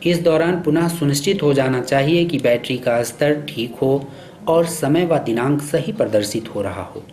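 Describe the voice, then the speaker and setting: Man, medium pitch, scripted training narration, formal, measured, instructive, faint music underneath. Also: a little mellow. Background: background music.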